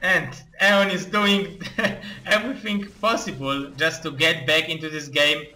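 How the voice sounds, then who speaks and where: A man with a Russian accent casting a live strategy game tournament, excitable, with halting non-native phrasing. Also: a little high, a little hiss or hum, poor audio. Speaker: esports caster and tournament host.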